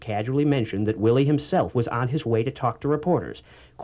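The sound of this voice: This is an unforced reading voice. Its pitch moves in an ordinary way.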